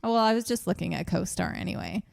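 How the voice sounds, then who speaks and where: Gravelly-voiced chatty woman podcaster. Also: on the low side, expressive, quick pace, a little mellow, no echo, studio quality. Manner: chatty, laughs often, candid and rambling. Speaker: podcast co-host. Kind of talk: casual chat.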